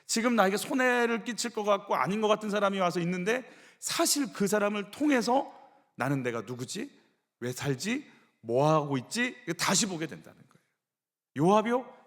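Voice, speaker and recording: A man preaching a sermon in a church, animated storytelling with acted-out quotes. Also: sits high, long reverb tail. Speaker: pastor. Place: church sanctuary.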